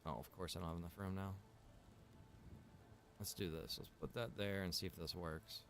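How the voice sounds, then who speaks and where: A man's voice: sits low, fairly even intonation, normal speed, slight background noise. A man giving casual gameplay commentary, often muttering to himself as he plays. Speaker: streamer playing a survival roleplay game.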